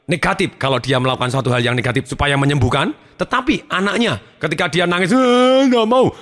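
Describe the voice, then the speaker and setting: A man giving a motivational seminar talk, animated and addressing his listeners directly. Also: medium pitch. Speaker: motivational speaker.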